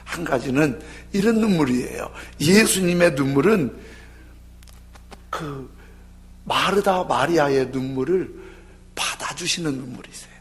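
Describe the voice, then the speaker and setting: Gravelly-voiced male pastor preaching. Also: a little high, a little slow, pauses often. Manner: animated storytelling, acts out voices of biblical figures. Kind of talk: sermon. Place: church.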